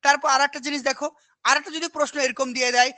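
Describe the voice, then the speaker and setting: Bright, dry-voiced woman teacher. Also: high-pitched, fairly even intonation, rapid-fire, no echo. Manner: repetitive, quizzing, asks "understood?" often. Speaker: exam coaching teacher. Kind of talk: Bengali lesson on English teaching with repeated questions.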